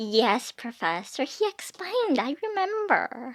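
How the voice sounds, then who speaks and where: At a fairly slow pace, the speaker puts on a character voice that swings very widely in pitch. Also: female-sounding voice, high pitch for a woman. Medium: audio drama. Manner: bright, upbeat.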